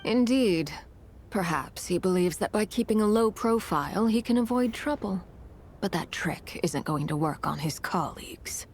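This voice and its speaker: A woman playing a composed, calculating noblewoman officer in a video game, speaking formally and with measured poise. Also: medium pitch, animated, darkish tone, a little hiss or hum, lightly acted.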